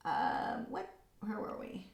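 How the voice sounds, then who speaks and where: An art instructor leads a live painting tutorial, chatting casually and reading viewers' comments aloud while she works. Her voice is slow, and the sound is lo-fi in an echoey room with a little hiss or hum.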